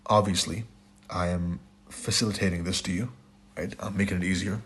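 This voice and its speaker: A very deep-voiced man gives a blunt trading lecture over slides, and his voice has gone raspy and hoarse from a sore throat. He keeps driving his points home with short repeated phrases and a habitual "right?". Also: fairly even intonation, a little fast, a little hiss or hum. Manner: blunt, repeats "right?" and "it's your fault". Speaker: trading instructor.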